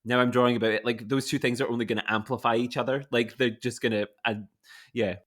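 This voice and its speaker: A young man hosts a podcast in a mid-pitched voice. He asks his questions in loose, rambling sentences, circling back and restarting as he talks. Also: fairly even intonation, quick pace, a bit bright. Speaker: podcast host. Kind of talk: casual interview chat.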